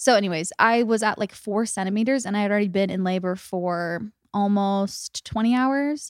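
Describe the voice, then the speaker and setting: A woman speaks in an unremarkable speaking voice with ordinary pitch variation and hardly any pauses. The sound is dry and close with no echo, and the recording is very clean over a silent background. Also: medium pitch for a woman, moderate pace. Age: 20s. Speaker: podcast host. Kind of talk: casual chat.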